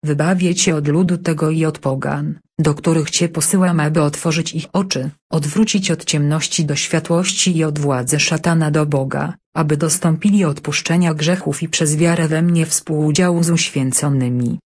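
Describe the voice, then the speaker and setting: In a low, husky voice, a woman reads scripture aloud evenly and with measure. It is a scripted Bible reading with study narration.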